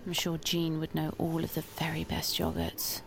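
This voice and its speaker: A woman playing a nervous, eager-to-please young woman who squeals when excited. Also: sits low, moderate pace, creaky, rough recording. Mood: defiant.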